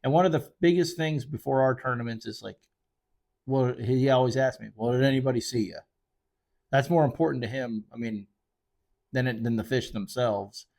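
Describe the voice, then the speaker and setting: A man's voice: medium pitch, moderate pace, vocal fry, darkish tone. A man, hosting casual solo commentary into a microphone, rambling and correcting himself often. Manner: rambling, conversational, with frequent fillers and self-corrections. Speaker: fishing charter guide and show host. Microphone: desk microphone.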